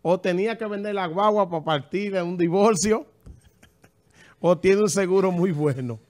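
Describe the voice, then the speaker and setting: A man's voice: high voice, measured pace, a little mellow. A man co-hosting a TV show, joking and contradicting his partner in casual banter. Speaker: TV co-host.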